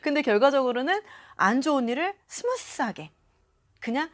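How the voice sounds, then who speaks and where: Chatty woman with a lively, high voice. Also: moderate pace. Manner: chatty, acts out quoted lines, frequent filler "네". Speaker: channel host reading and commenting on a self-help book. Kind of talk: casual talk to camera. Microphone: phone.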